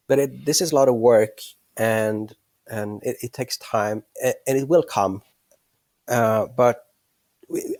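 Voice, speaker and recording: A Norwegian-accented man in his fifties from western Norway, a Buddhist monk and teacher, speaks as a casual interview guest, hesitant, groping for words and often laughing softly. The voice is lowish and a little mellow, with no echo.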